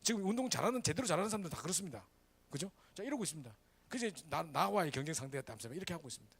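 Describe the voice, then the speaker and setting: A man's voice: a little high, racing. A male pastor, preaching a sermon in a church and often checking in with the congregation. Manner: lively, animated preaching with frequent "그죠?" asides to the congregation. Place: church sanctuary.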